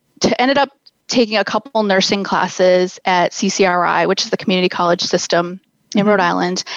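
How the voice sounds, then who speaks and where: An ordinary speaking voice from a woman, medium in pitch, with fairly even intonation and very even loudness. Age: 30s. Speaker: college financial aid counselor. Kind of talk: personal story in interview.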